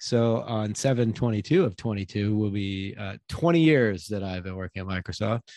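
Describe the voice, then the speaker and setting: Against a quiet background, a man with a normal speaking voice talks at a moderate pace and fairly low pitch with ordinary pitch variation and hardly any pauses, in a dry, close sound with no echo. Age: 40s. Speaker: tech company employee and ADHD coach. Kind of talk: casual interview.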